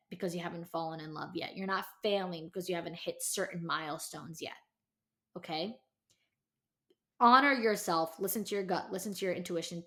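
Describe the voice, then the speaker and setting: A woman's voice: lowish voice, a bit bright. A woman of thirty hosting a casual solo podcast, talking candidly and chattily with lots of "like" and "you know", then urging her listeners on with emphatic encouragement. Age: 30s. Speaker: podcast host.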